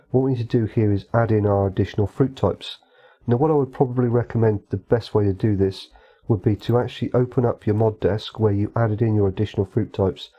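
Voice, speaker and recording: A man with a low, very mellow voice talks through a screen-recorded tutorial in a calm and methodical way. He explains each step in turn. The recording sounds a little dull. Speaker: modding tutorial creator.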